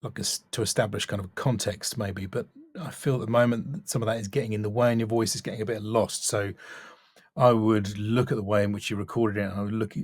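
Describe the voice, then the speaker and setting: A man's voice: fairly low pitch, fairly even intonation, fast talker, slightly rough, dry recording, studio quality. A man working as a voice-over coach, giving a casual, thoughtful spoken critique and stressing key words. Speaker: voice-over coach reviewing demo reels.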